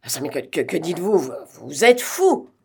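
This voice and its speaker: A stern male court president, read by a woman who fires sharp questions at the witnesses in an audiobook. The voice is fairly low. It is read plainly, with no put-on voice. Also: animated, moderate pace, close to an everyday voice. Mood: questioning.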